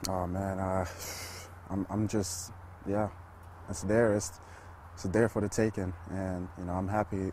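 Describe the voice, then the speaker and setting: A man's very deep, low, somewhat breathy voice with an American accent, dark and mellow in tone, in a monotone, flat delivery at a moderate pace. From Connecticut, Bridgeport. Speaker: football player. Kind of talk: interview. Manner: halting.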